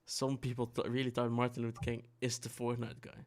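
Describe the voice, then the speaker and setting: A man's voice: medium pitch, monotone, fairly quick. A young man from the Netherlands, co-hosting a casual chat, rambling and swearing with many restarts. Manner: rambling, profane, restarts a lot. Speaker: podcast co-host.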